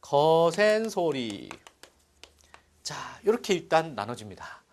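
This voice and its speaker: A middle-aged man with a fairly high pitch lectures slowly on the Korean language, breaking things down step by step and checking in with the class. Lively in his explaining, he frequently uses "자" and rhetorical checks. Slight background noise is present.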